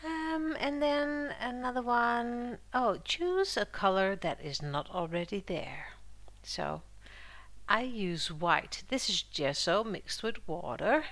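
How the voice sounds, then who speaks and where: A woman hosting a casual art journaling tutorial, a little under the weather, her voice squeaky in places, talking through her steps in a chatty, relaxed way with fillers. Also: creaky. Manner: chatty and relaxed, with frequent fillers and soft laughs. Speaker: art journaling channel host. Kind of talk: casual craft tutorial voice-over.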